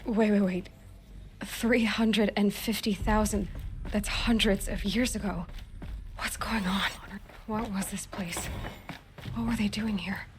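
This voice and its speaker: A curious young tribal adventurer played by an actress in a video game, thinking aloud with quiet determination. Her voice sits at a medium pitch, with clear ambient noise around her. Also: fairly even intonation, slow pace, long pauses, lightly acted. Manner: talks to herself, questioning.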